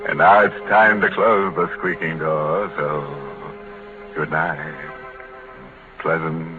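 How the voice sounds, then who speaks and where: A man hosting an old radio mystery show in a very low, unhurried drawl. He is mock-sinister and full of puns. The sound is a muffled 1940s broadcast with music behind him. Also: fairly even intonation. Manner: slow, punning, mock-sinister chuckling. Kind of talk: tongue-in-cheek macabre sign-off.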